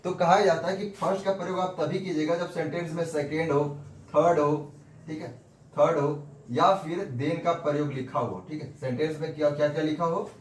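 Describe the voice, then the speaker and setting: A man's voice: on the high side, steady tone, normal speed. A man giving a whiteboard grammar lesson who keeps asking questions and answering them himself, repeating points. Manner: repetitive, asks and answers his own questions. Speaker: English grammar teacher. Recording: echoey room with faint background noise.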